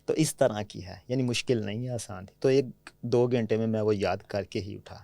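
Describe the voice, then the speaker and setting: A man's voice: fairly low pitch, gravelly, dark tone, no echo. A man from Pakistan, a podcast guest, with a Punjabi-tinged Urdu accent, recounting his experiences in a chatty storytelling way and often checking in with the listener. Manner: anecdotal, frequently asks "theek hai?" to check understanding. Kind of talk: conversational storytelling.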